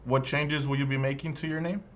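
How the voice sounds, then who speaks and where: A man's voice: medium pitch, steady tone, fairly quick, a bit bright, a little hiss or hum, lightly acted. A man voicing an immigration officer who asks formal, neutral questions in a scripted practice dialogue. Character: male immigration officer conducting an interview.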